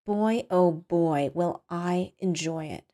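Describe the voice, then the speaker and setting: A woman's voice: sits high, lively intonation, moderate pace, voice pushed up, heavily acted. Woman acting an unhinged, vengeful young woman. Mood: quiet menace. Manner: dreamy quiet menace breaking into angry bursts. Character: unhinged vengeful young woman captor, dreamy then furious.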